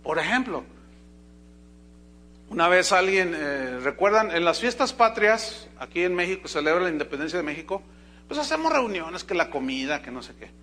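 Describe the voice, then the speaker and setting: A man's voice: high voice, sing-song, moderate pace, pushed and bright. A man with a Mexican Spanish accent preaching a sermon in a church, talking conversationally, acting out quoted exchanges and asking the congregation questions. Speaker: pastor.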